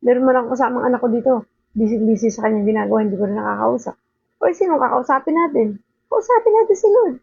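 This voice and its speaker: Gravelly older woman giving a devotional talk. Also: a little high, racing, a little mellow. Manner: earnest, with frequent rhetorical "di ba?". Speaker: devotional speaker. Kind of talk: informal daily devotion talk. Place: at home. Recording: narrow phone-like sound, dry.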